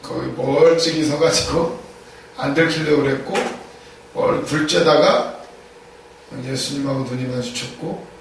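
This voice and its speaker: A man's voice: a little high, measured pace, gravelly, pauses often. A man preaching a sermon as a pastor, emphatic, repeating key phrases and asking rhetorical questions. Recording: echoey room, distant mic, faint noise.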